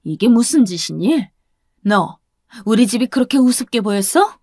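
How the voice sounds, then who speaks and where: A woman's voice: fairly high pitch, very animated, moderate pace, no room sound, clean studio sound. A woman voicing a haughty, furious middle-aged future mother-in-law who berates with contempt. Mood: contemptuous. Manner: contemptuous, shouting.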